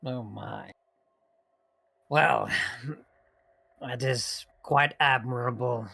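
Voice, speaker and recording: Man playing a slow, creaky, menacing hag villainess. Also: mid-range voice, bright, forceful tone, dry recording, exaggerated voice. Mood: oily, bargaining. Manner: slow, theatrical, mock-polite menace. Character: menacing, condescending old hag villainess with cracking skin. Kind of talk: tabletop role-play.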